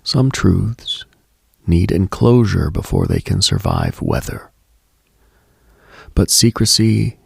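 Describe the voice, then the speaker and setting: A man hosting a late-night radio show, giving a slow, contemplative monologue with halting pauses in a husky, gravelly voice, close on the mic. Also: deep voice, dry recording. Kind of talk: reflective late-night spiritual monologue, ASMR-like.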